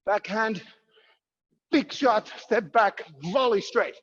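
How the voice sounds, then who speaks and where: High-voiced male coach in an echoey hall. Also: slow pace. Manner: short called-out commands with encouragement. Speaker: squash fitness coach leading a workout. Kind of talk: instructional workout coaching, calling out drills. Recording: muffled, echoey hall sound.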